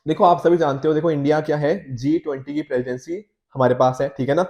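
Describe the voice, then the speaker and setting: A man's voice: on the high side, fairly even intonation, fast, darkish tone, lo-fi sound. An Indian man lecturing in a conversational, explanatory way as a teacher, often checking in with listeners, his throat a little off from a slight cold. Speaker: teacher, exam coach. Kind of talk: explanatory lecture on newspaper editorials, Hindi mixed with English.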